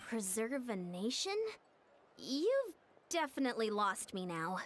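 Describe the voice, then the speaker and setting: A woman voicing a small, excitable, childlike fairy companion in a video game, chirpy and expressive, speaking of herself by name. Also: fairly high pitch, a little slow. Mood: confused. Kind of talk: video game character acting.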